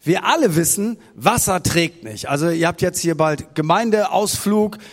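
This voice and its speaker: Animated preaching man in a reverberant hall. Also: high voice, a little slow. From Germany. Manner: animated storytelling, acting out the disciples' voices. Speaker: pastor. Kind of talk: sermon.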